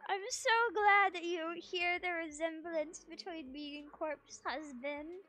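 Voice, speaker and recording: A woman's voice: very high voice, steady tone, slow, pushed and bright. A woman streaming a game and chatting playfully with her viewers, joking around as she plays. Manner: playful, joking, talking to chat. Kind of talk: casual gaming stream chat. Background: faint background music.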